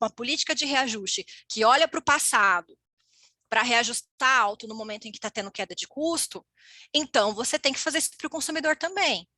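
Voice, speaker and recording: The voice has a bright, sharp tone and lively intonation at a moderate pace. The sound is dry and close, with no echo. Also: woman. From interior of São Paulo state, Brazil (Votuporanga, northwest). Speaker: lawyer, panelist. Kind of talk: panel talk at an online symposium. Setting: online symposium streamed on YouTube.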